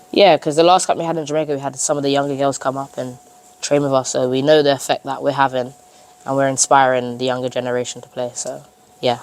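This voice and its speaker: In an English accent, a woman with a very deep, low pitch speaks at a very fast pace in a monotone, flat intonation. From England. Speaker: footballer. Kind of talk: press interview.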